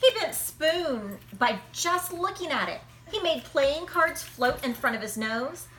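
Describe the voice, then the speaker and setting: A woman with a high, bright voice reads a children's story aloud. Her delivery swings up and down expressively, with dramatic pauses and emphasis. Light background noise sits behind her. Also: animated, roomy sound. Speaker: librarian reading a picture book aloud. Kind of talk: animated children's read-aloud.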